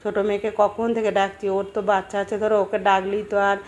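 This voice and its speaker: A woman's voice: medium pitch, flat delivery, fast. A middle-aged woman narrates her day at home casually, chatting directly to viewers and repeating phrases for emphasis. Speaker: homemaker and vlogger. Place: indoors at home.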